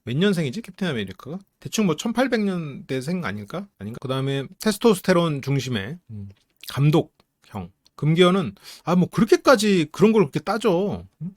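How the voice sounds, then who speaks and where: A man giving a casual psychology lecture to his channel's viewers, animated and acting out example lines in different voices. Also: on the high side, fairly quick, dry recording, studio quality. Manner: animated, acts out quoted lines with voice shifts; mixes polite and casual speech, laughs at own asides.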